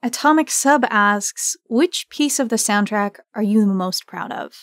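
A woman's voice: medium pitch, lively intonation, a little slow, no echo, studio quality. A woman hosting a conversational interview, putting questions to a guest. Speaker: interviewer, host.

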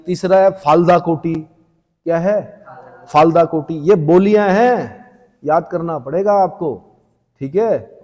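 A male teacher from Uttarakhand with a local Hindi accent gives an exam revision lecture. He asks his students a question, answers it himself and slowly repeats the key terms so they stick. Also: high-pitched, mellow. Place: classroom or coaching room. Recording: long hall reverb.

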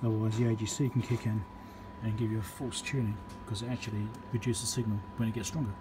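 Fast and fairly monotone in a lowish voice, a man casually demonstrates an electronics repair at an indoor workbench, describing each step plainly as he works. He's the host, filmed on a handheld camera or phone with loud hiss and background noise.

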